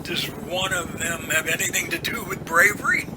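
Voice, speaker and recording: A man's voice: a little high, steady tone, normal speed, heavy background noise, lightly acted. A man in an amateur audio drama playing a frank, inquisitive helicopter rescue pilot in a conversational manner. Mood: curious.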